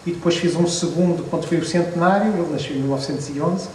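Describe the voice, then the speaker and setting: A Portuguese man in his fifties with a European Portuguese accent and a slightly raised pitch shares memories in a meandering, self-deprecating way. He is picked up from across an echoey hall. A faint hiss lies underneath. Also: fast talker, dark tone. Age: 50s. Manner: reflective storyteller, hesitant restarts, wry self-deprecating asides. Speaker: photographer and book author at a presentation. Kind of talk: relaxed anecdotal talk to an audience. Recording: echoey room, distant mic, faint noise.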